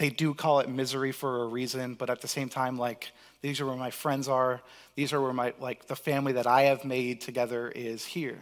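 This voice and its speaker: On a very clean recording with a silent background, a man with medium pitch speaks at a fairly quick pace. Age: 20s. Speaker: preacher. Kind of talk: sermon. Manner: animated.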